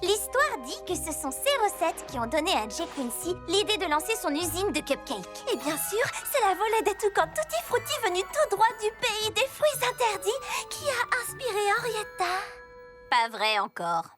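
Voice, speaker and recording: A woman's voice: very high voice, very animated, moderate pace, music in the background. A woman voicing a spirited, talkative young girl in a French cartoon dub, speaking expressively and with emphasis. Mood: earnest storytelling.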